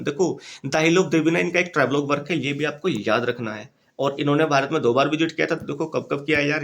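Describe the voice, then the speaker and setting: A young man teaching English literature for exams in a casual lecture, explaining in Hindi, reading English titles out slowly and repeating key points in a chatty, informal way. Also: fairly high pitch, gravelly, fairly bright tone. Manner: chatty and informal, keeps addressing listeners as "bhai" and "yaar". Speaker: exam-prep literature teacher. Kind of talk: casual lecture over slides.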